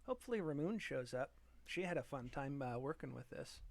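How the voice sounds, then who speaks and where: A man's voice: mid-range voice, brisk, vocal fry. A man chatting casually on a live stream, thinking aloud and chuckling as he tinkers with his setup at home. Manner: relaxed, chuckling, thinks aloud while fiddling with software. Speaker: vTuber streamer. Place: home room.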